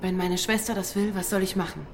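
A woman's voice: mid-range voice, fairly even intonation, fairly quick, a little hiss or hum, lightly acted. A worried, defensive young woman, voiced by an actress in a dubbed series. Her voice sits in a mid range. She argues back stubbornly and turns pleading when she is upset.

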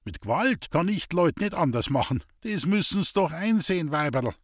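A man's voice: on the high side, big pitch swings, normal speed, no room sound, studio quality, voice pushed up. A man voicing an earnest, coaxing village priest speaking in Bavarian dialect in a storybook reading.

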